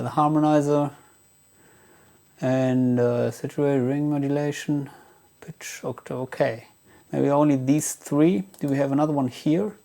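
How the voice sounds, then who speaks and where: A man's voice: fairly high pitch, creaky. A man giving a casual, unscripted guitar gear demo, thinking aloud in a hesitant way.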